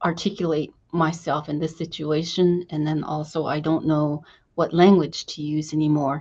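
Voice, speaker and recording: Over a quiet background, a woman speaks at a moderate pace in a very deep, low voice. Her tone is dark and mellow, her intonation flat and monotone. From New Mexico. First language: not English. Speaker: college staff member, session participant. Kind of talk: online workshop discussion. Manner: halting, many fillers.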